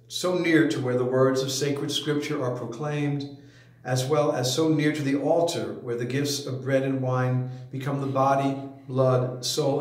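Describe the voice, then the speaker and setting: An older priest speaks to his parish in a gentle, unhurried way, often pausing on um and uh. His voice sits at an ordinary middle pitch. The sound carries a heavy, ringing echo from the hard-walled room. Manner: gentle, unhurried, with frequent ums and uhs. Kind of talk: parish announcement and letter reading. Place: small indoor chapel space before a brick wall. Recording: very echoey room.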